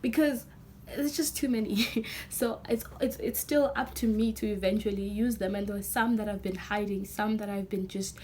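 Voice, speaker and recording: A young woman with a hoarse, nearly lost voice, talking excitedly and rambling with many fillers in a casual vlog. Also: medium pitch, normal speed, slight background noise. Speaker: vlogger.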